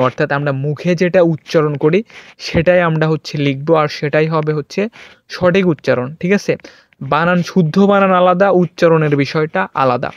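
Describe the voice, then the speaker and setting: Dull-sounding tutor explaining grammar. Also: male voice, fairly high pitch, dry recording. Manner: explanatory, repeats points, checks in often. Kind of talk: exam-prep grammar lesson. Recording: dull lo-fi dry recording.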